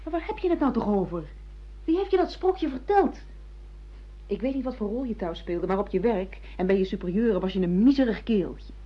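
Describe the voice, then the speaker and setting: A woman's voice: mid-range voice, lively intonation, a little fast, breathy edge. A woman acting a self-assured secretary and secret mistress in a Dutch radio play, frank and reproachful as she lectures her boss. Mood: indignant, reproachful. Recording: muffled lo-fi radio play recording.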